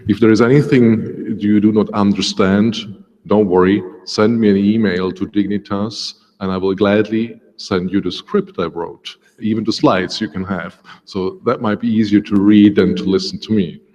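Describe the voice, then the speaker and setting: A man's voice: fairly low pitch, steady tone, normal speed, a little mellow, highs cut off. Swiss German man speaking in a reverberant hall. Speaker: panel speaker. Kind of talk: prepared talk. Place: public lecture hall.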